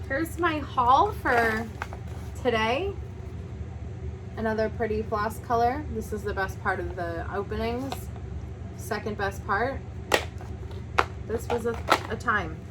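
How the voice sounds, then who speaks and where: A woman vlogger talking quietly and low-key to herself while sorting through her day. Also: slow pace, pauses often. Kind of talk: casual vlog. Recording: noisy background.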